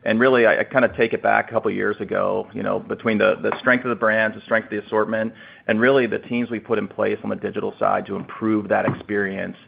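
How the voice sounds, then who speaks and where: A man's voice: lowish voice, flat delivery, quick pace, creaky, slight background noise. A man answering as a finance executive on an earnings call in informal corporate talk, over a narrow phone line. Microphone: conference call line.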